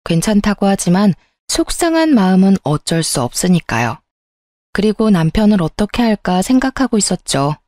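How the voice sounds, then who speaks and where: A woman narrates a scripted first-person story in a confiding, plain manner. Her voice is mellow and warm at a medium pitch. The recording is dry and close. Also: very animated, normal speed, dry recording.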